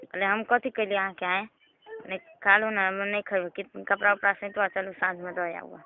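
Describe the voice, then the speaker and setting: A woman's voice: medium pitch, level tone, fairly quick, creaky. A woman with a Maithili accent chatting casually on a phone call, recounting things by quoting what people said. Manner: recounts household quarrels by quoting dialogue. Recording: tinny narrowband phone line, some noise.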